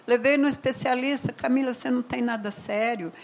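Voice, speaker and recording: An older woman with a Brazilian accent, telling a personal story as a mother in an emotional, conversational way, often trailing off softly. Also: a little high, steady tone, brisk, a little hiss or hum, rough recording. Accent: Brazilian Portuguese. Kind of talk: personal testimony.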